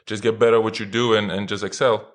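A man from Lithuania hosting a casual interview, halting and restarting often, livening up when he tells stories. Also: on the low side, level tone.

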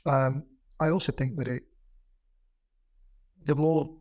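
A man's voice: fairly high pitch, fairly even intonation, takes it slowly, darkish tone, dry recording, dull audio. A middle-aged man with a stammer that makes him repeat sounds and words, speaking in a plain-spoken, conversational interview style as a business executive. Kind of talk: reflective conversational interview with anecdotes.

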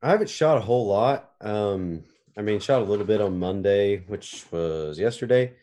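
A man's voice: on the low side, lively intonation, normal speed, mellow. A man guesting on a casual podcast chat, earnestly reflecting on his training.

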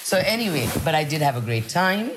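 A woman from Nepal who grew up in India, a journalist and podcast guest, telling her story in an articulate, animated way. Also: low voice, brisk, background noise. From Nepal, raised in India. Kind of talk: casual conversational interview.

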